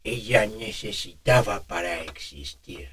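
A man voicing a very old, frail storyteller, very slow and halting, short of breath, with a tremble and whistling false teeth. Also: fairly low pitch, background noise, pitched below the performer's own voice. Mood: weary, frail.

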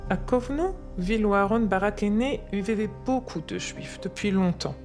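A woman as an older grandmother in a documentary film, patiently explaining history to a child. Her voice sits at a medium pitch, with music clearly playing behind it. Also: moderate pace, a little mellow, lightly acted. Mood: patient, explanatory. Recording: music under the voice.

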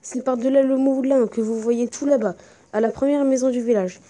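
A naive little girl in a red hood, read by a woman. Her lines come earnest and gently lifted, in a soft, mellow tone. The voice sits fairly high. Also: brisk, natural voice. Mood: trusting.

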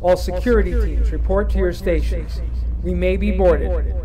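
A man's voice: high-pitched, moderate pace, natural voice. A man playing a firm space station commander with an authoritative, urgent manner in a sci-fi audio drama. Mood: urgent, commanding.

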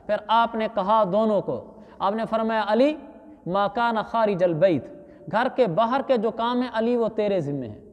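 Guy teaching quran commentary, reciting arabic bits, telling little stories, long echo in the hall. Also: sits high. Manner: storytelling with Arabic recitation and quoted dialogue. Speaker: Islamic scholar giving Quran commentary.

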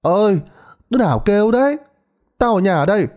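A man voicing a brisk, blunt elderly village grandmother who calls out loudly in a ghost-story telling. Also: high voice, animated, voice pushed up. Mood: calling out. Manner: calls out loudly, bossy and familiar.

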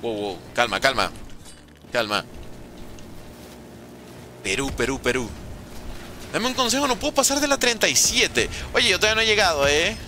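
A Venezuelan man streaming a game live, chatting with viewers and reacting in quick bursts. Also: a little high, slight background noise. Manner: lively, banters with chat, talks fast in bursts. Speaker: gaming streamer. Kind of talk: live gameplay commentary reading chat.

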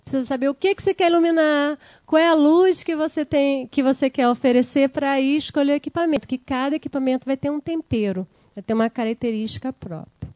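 A woman's voice: high-pitched, a little fast, hardly any pauses, a little mellow, dry recording. A woman giving an academic lecture, explaining slides and checking in with the audience. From Brazil. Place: lecture room.

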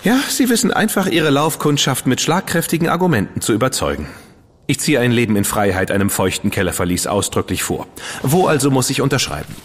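Sarcastic dandy, cheeky, animated intonation, long reverb. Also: male voice, medium pitch, husky. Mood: sardonic. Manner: sarcastic, quick-witted, cheeky. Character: witty, defiant dandy, man, adult. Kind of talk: radio play acting.

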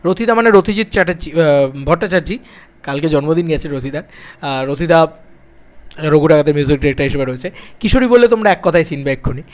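A young man chatting to camera as a film vlogger, excited and piling up repeated phrases. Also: fairly high pitch, fast talker, pauses often. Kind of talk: casual direct-to-camera film chat.

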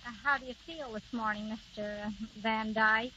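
An actress playing a scatterbrained, well-meaning young wife who chatters to please, in 1930s radio drama style on an old radio broadcast. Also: female voice, on the high side, steady tone, moderate pace, sharp tone, highs cut off. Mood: sweet.

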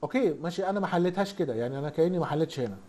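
A man's voice: on the high side, lively intonation, racing, warm tone. A man with an Egyptian accent teaching a casual recorded lesson, chatty and teasing, constantly quizzing the class with rhetorical questions. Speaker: IT instructor.

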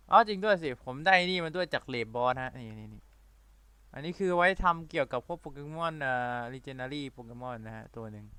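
A bright, crisp male voice rattling off gameplay commentary in quick breathless bursts, playful and quick to exclaim. The sound is dry and close, with no room around it. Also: a little high, no room sound. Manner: rapid-fire talker who admits he talks too fast and runs out of breath; excitable, playful, loud exclamations. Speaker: gaming video creator. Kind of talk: excited let's-play commentary.

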